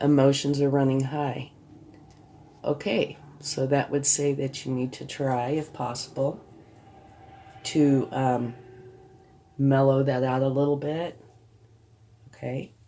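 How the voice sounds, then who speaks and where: Against noticeable background noise, the speaker goes at a fairly slow pace in a monotone, flat intonation, with long, frequent pauses. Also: woman, very deep, low pitch for a woman. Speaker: tarot reader. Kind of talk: tarot reading. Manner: casual, conversational.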